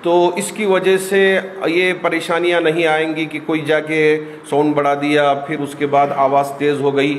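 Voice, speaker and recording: A man's voice: fairly high pitch, flat delivery, moderate pace, hardly any pauses. A man speaking as a community religious spokesman at a press conference, explaining and appealing to listeners. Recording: reverberant hall with faint noise.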